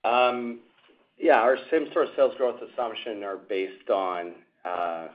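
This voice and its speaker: Low-voiced executive on a phone line. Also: male voice. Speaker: company executive answering analysts. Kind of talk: earnings call answers. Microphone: telephone conference line. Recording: narrow, tinny phone line.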